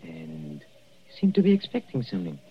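An actor playing a gloating mathematician murderer in an old radio drama, slow and husky, breaking into frantic shrieks as the poison takes him. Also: male voice, low voice, wildly swooping pitch, exaggerated voice. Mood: menacing. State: panicking, shrieking as he dies. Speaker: villain. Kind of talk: 1940s radio acting. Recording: dull lo-fi vintage radio recording.

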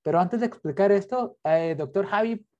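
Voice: medium pitch, moderate pace, mellow. A podcast host talking in a friendly, teasing, chatty way while interviewing a guest over a video call. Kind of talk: casual interview chat. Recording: slightly dull, lo-fi audio.

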